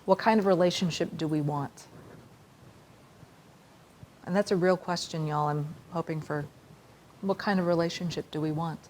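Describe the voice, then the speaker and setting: A woman's voice: low-pitched, steady tone, moderate pace, pauses often, darkish tone, a little hiss or hum. A woman giving a conference talk, casual and conversational, inviting the audience to respond. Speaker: conference speaker.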